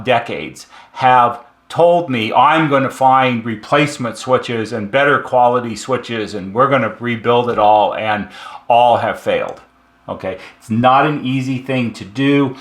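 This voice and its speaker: A repair shop technician presents a how-to video, speaking informally to viewers in a mid-range, slightly bright voice. He's emphatic and likes repetition and rhetorical questions, and the recording has a roomy, echoing sound.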